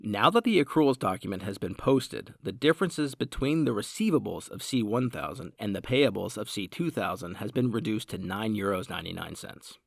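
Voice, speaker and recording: A man narrating a scripted software demonstration in a measured, explanatory way. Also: on the low side, animated, gravelly, dry recording, studio quality. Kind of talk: scripted product tutorial narration.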